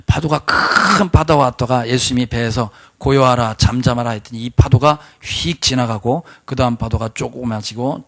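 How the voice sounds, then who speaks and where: A man preaching a sermon in a church, animated and full of questions to the congregation. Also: medium pitch. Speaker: pastor. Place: church sanctuary.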